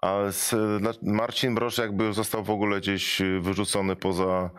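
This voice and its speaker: A man's voice: fairly low pitch, little pitch movement, normal speed, a bit bright, clean tone. A man in his forties in a casual football panel discussion, talking in a choppy way and restarting mid-thought. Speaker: football pundit. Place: TV-style talk studio.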